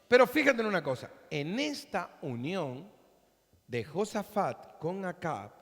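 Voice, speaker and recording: A man's voice: sits high, very animated, unhurried. A man pastor preaching a sermon in a church, telling a story animatedly and acting out its characters. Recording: echoey church hall.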